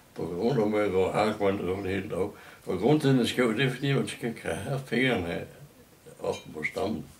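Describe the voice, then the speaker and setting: With noticeable background noise around him, a man of fairly low pitch speaks at a moderate pace with ordinary pitch variation. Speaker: carpenter. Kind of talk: interview answer.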